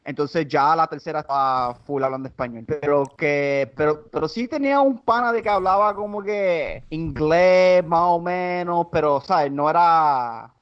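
A Puerto Rican man talking casually as a podcast guest, with a voice a little higher than most men's. He stumbles and restarts often, dropping English words into his Spanish. The sound is somewhat dull and muffled. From Puerto Rico. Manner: halting, many restarts, slips into English. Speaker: guest comedian.

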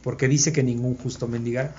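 A man's voice: medium pitch, steady tone, fairly quick, a little mellow, a little hiss or hum. Man leading a study. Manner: checks in often with the listeners, thinks aloud. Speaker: Bible study leader. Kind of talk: conversational group Bible teaching. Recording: dull lo-fi recording.

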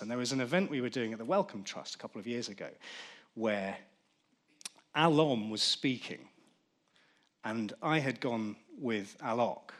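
Male panel chair, wry and jokey, mid-pitch voice. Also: fairly bright tone. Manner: jokey, self-deprecating, with laughs. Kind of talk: live panel discussion.

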